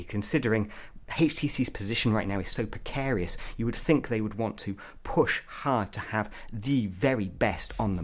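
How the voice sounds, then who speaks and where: A man with a fairly low voice delivers a tech review. He speaks as a reviewer giving his own commentary, with blunt, opinionated phrasing.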